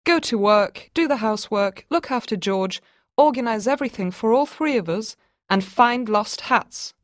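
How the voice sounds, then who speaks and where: A woman voicing an exasperated young mother who snaps and shouts at her husband. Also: expressive, moderate pace, dry recording, clean studio sound, natural voice. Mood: irritated. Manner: shrill and frantic when arguing.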